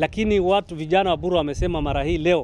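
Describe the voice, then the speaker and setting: Speech comes at a fairly quick pace. The sound is dry with no echo, with light background noise. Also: man. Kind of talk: press statement. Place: street. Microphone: handheld.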